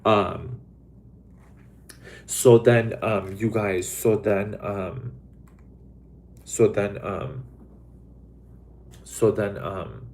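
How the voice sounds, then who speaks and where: A man's voice: on the low side, extremely slow, long pauses, darkish tone, a little hiss or hum. A young man from Los Angeles chatting casually to live viewers, rambling with lots of "like" and "um" and swearing bluntly. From Los Angeles, USA. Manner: rambling, many fillers like "like" and "um". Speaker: livestream host.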